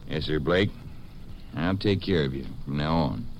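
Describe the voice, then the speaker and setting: An actor playing a folksy, reassuring rancher with an American Western drawl in a 1950s radio western. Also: male voice, very deep voice, moderate pace, loud music behind the voice. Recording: noisy old 1950s radio recording.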